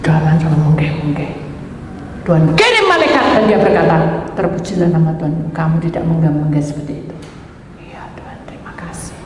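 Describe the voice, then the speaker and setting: A woman pastor preaches, telling her story with animated, acted-out dialogue. Her voice rings through a very echoey hall with a long reverb tail. Faint room noise sits behind her. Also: deep voice, fairly quick. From Indonesia. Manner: animated storytelling, acts out quoted dialogue, mixes in Javanese. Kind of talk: sermon.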